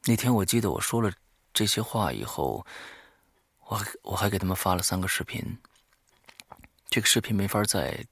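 Guy with a deep-ish creaky voice reading a creepy diary, very dry close sound, mutters little asides. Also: animated, normal speed, long pauses, fairly bright tone, no room sound. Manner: dramatic reading broken by offhand muttered comments. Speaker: host and storyteller of a horror audio show. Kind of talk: reading a horror diary aloud with casual asides.

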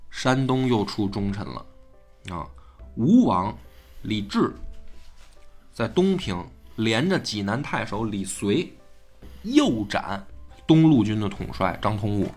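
A male storyteller recounts history in a chatty, colloquial manner, slipping into characters. His voice swings widely in pitch. Faint music plays under the narration.

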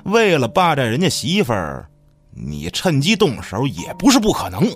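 A man plays a hot-tempered village tough in a radio drama. He is coarse and foul-mouthed, throwing accusations and taunts with a hugely animated pitch, over music. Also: moderate pace. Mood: taunting, scornful. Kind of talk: Chinese radio drama acting.

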